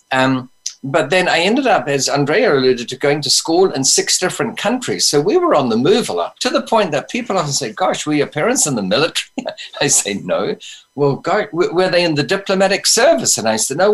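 A man with a slightly high voice tells stories as a podcast guest. His humor is wry and self-deprecating, and he often chuckles at his own lines. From New Zealand. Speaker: interview guest. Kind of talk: storytelling in interview.

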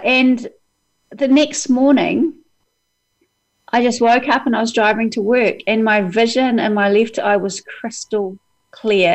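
A woman's voice: medium pitch, low-quality recording. A woman with a New Zealand accent, guest on an interview, telling a story earnestly with many hesitations. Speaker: hypnotist guest.

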